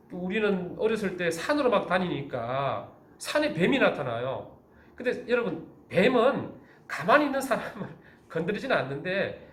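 A man's voice: sits high, echoey room. A man in his fifties, a teacher, giving a lecture to other teachers and often asking the audience rhetorical questions. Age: 50s.

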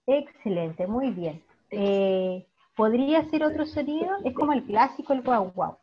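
A Chilean woman teaches children over a video call, her voice slightly high with a husky edge. She praises each answer warmly and explains things patiently. The audio is dull and lo-fi. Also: measured pace. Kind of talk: online class teaching.

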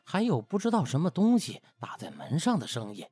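A man's voice: fairly high pitch, very animated, fairly quick, mellow, breathy edge, dry recording. A man narrating a comic audiobook in a colloquial, theatrical storytelling manner. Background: music.

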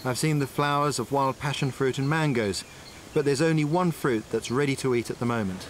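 A survival expert and presenter narrates a documentary in an even, mid-pitched, brisk voice, with a little hiss or hum behind him. Working outdoors on a tropical island, he calmly shows and explains traps and wild food one step at a time in on-location demonstration.

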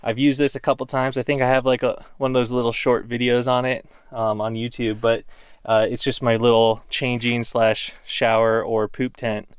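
A man's voice: medium pitch, clean tone, dry recording, studio quality. A young man from the northwestern United States casually walks through his car camping setup, rambling with many fillers, filmed outdoors on a handheld camera at arm's length. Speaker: vlogger. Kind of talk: casual gear walkthrough. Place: outdoors by an open car in a burned forest.

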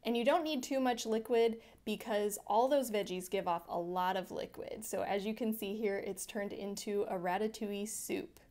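A woman's voice: mid-range voice, normal speed, few pauses, darkish tone. A woman hosting a home cooking channel, narrating her meals in a friendly, chatty voice-over that explains each step. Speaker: vegan cooking channel host.

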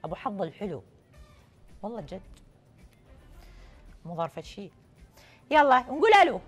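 A young woman with an Iraqi Arabic accent hosts a TV call-in game show in the studio, music in the background. Her mid-range voice is husky and very animated at a moderate pace, and her lively presenting is playful and effusive, full of repeated phrases.

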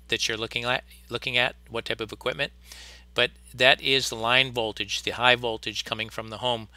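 A man's voice: medium pitch, bright, forceful tone, dry recording. A man giving a practical online HVAC lesson, explaining a wiring diagram in a plain, easygoing way with many fillers. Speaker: HVAC instructor. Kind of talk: online training lecture.

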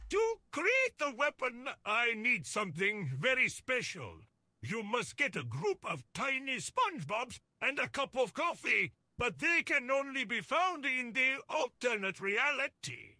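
A man's voice: very high-pitched, wildly swooping pitch, unhurried, sharp tone, no echo, exaggerated voice. A man voicing a tiny scheming mad scientist sea creature in a video game, with a theatrical German accent. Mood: grave, urgent.

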